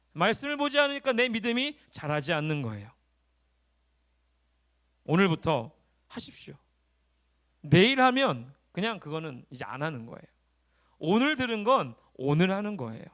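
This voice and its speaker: A man preaching as youth pastor at a high school Sunday service, exhorting the teens in a lively, casual way. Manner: animated, exhorting, speaks to teens in casual banmal. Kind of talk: sermon to high school students. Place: church service.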